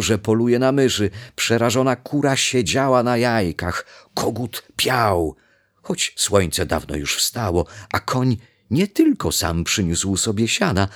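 A man reading a children's story aloud, expressive and unhurried. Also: lowish voice. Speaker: storybook reader.

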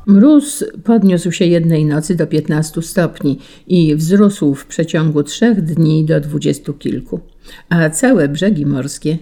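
A woman presenting on radio and reading a literary passage in a calm, measured way. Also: sits low. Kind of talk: scripted narration and reading.

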